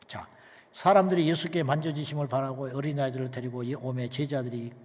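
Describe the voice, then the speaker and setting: A male pastor preaching an emphatic sermon, dropping to near whispers and then rising loud, with many rhetorical questions to the congregation. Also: mid-range voice, fairly even intonation, fairly quick, in a large hall.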